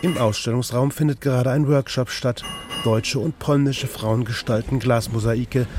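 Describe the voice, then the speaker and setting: Male radio reporter, measured scripted narration, faint noise behind. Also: medium pitch, darkish tone.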